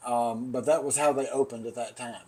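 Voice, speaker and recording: A man's voice: medium pitch, fairly even intonation, a little fast, a crowd in the background. A middle-aged man co-hosting a podcast in casual chat, rambling, swearing casually and hedging what he says. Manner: rambling, swears casually, hedges his claims. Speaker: podcast co-host.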